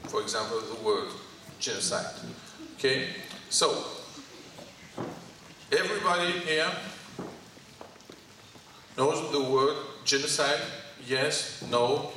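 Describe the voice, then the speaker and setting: Slow-talking man with a Greek French accent. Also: medium pitch, bright, forceful tone. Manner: slow, halting, asks the audience questions. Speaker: lecturer. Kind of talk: live lecture to an audience. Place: college hall. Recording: echoey hall from far off, faint noise.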